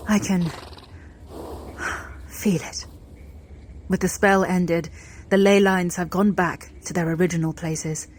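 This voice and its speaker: An actress playing an earnest, solemn ally of Norse gods, speaking formally and reverently in an audio adventure. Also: female voice, on the low side, darkish tone, slight background noise. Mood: solemn relief. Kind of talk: dramatic audio adventure acting.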